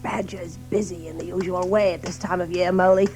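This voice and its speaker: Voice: medium pitch, fairly even intonation, a little fast, a little mellow, soft background music, natural voice. A performer playing a sociable, good-natured male water rat in a children's audio story, with chuckles, exclamations and little tag questions. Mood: jovial.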